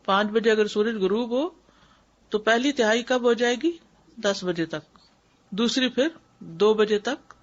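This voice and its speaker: A woman's voice: on the high side, pauses often. Lady teacher explaining prayer, repeats stuff to make it stick, muffled lo-fi sound. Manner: explanatory, emphatic, repeats key points. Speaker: Islamic studies teacher. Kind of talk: lecture on prayer. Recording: dull lo-fi recording.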